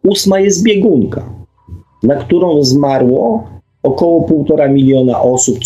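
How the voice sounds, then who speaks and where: A man's voice: medium pitch, rough recording. A man hosting a radio monologue, hesitantly reading out figures and repeating them for emphasis. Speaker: radio show host.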